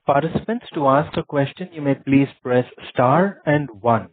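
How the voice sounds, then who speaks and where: A man's voice: mid-range voice, moderate pace. A man moderating a conference call with formal, scripted announcements. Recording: narrow tinny phone-line audio.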